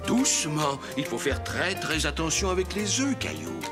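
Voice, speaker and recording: Cartoon grandfather: older, gentle, forgetful, very animated delivery, music underneath. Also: fairly high pitch, normal speed. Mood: gentle, patient. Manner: gentle, patient, explanatory. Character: kindly, forgetful, playful old grandfather. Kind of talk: French children's cartoon acting.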